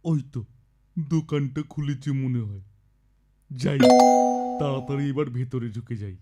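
A man's voice: medium pitch, moderate pace, close to an everyday voice. A man voicing a crafty, indignant young boy in a children's comedy cartoon, exclamatory and scolding. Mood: pleased. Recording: loud music behind the voice. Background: loud music.

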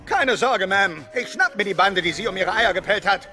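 An actor voicing a daring one-eyed weasel adventurer in a dubbed animated film, with a cocky, playful swagger. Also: male voice, high-pitched, normal speed, faint music behind, heavily acted.

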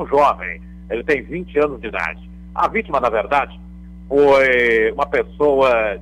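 A man's voice: mid-range voice, a bit bright, husky, low-quality recording. A middle-aged man from Brazil reading a radio police bulletin as a crime reporter, in a conversational way with fillers and tag questions. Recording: radio broadcast audio.

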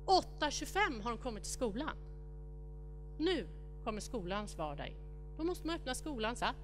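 A woman's voice: fairly high pitch, very animated, faint music behind. A middle-aged woman giving a conference keynote in a large lecture hall, rattling off lists and speculating aloud. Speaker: keynote speaker.

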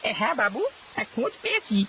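A man voicing a sly, greedy male servant in a cartoon, wheedling with lively swings of pitch. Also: fast talker, gravelly, slight background noise, exaggerated voice. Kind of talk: cartoon voice acting.

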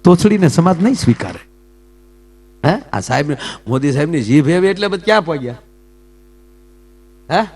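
A man's voice: on the high side, a little mellow. A man performing folk comedy talk on stage, teasing the audience and jumping between jokes and asides.

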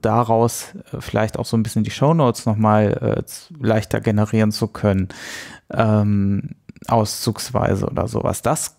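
A man's voice: lowish voice, fairly even intonation, moderate pace, vocal fry, a little mellow. A man talking casually as a podcast co-host, thinking aloud in a hesitant way.

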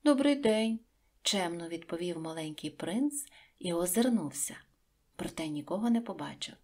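Soft-spoken woman reading a children's audiobook. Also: lowish voice, normal speed. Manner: soft, even storytelling. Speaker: narrator.

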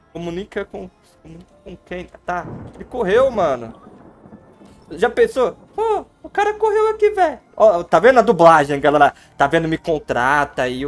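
A man with a Brazilian Portuguese accent, giving playful, joking gameplay commentary on a livestream and talking to his chat. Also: high-pitched. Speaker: game streamer.

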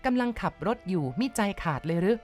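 A woman narrating a ghost story in a measured, dramatic storytelling manner. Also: mid-range voice, lively intonation, a little mellow, soft background music.

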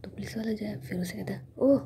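A woman retelling a story in a whispery, hushed voice. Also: medium pitch, little pitch movement, fast talker, gravelly.

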